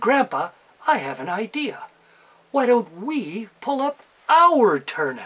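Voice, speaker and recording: A woman's put-on character voice, high-pitched, with very wide pitch swings, a fairly slow pace and long, frequent pauses. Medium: read story.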